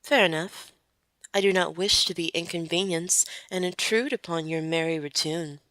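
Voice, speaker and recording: A woman acting a poised young noblewoman in a fan audio drama, formal and wry, with measured wording. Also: on the low side, sharp tone, no room sound, poor audio. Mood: gently teasing.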